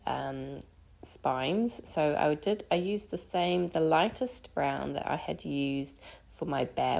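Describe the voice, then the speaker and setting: Croaky low-voiced woman crafting. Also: a little mellow. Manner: chatty, friendly, frequent ums. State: croaky from a cold. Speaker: card-making crafter. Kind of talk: casual crafting voice-over.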